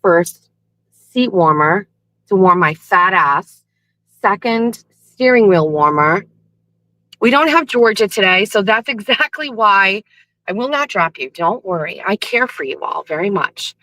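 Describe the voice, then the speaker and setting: A woman's voice: mid-range voice, lively intonation, measured pace, bright, forceful tone, no echo. A woman hosting a casual morning show from her car, chatting and laughing with a slightly scratchy, just-woke-up voice, speaking into a phone in a cradle. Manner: chatty, laughing, rambling asides. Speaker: host. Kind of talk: casual morning chat while driving. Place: inside a car.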